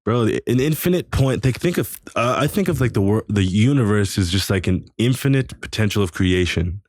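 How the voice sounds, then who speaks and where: A young man talking in a casual podcast chat, rambling and halting, full of slang and restarts. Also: lowish voice, lively intonation, darkish tone, no echo. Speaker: podcast host.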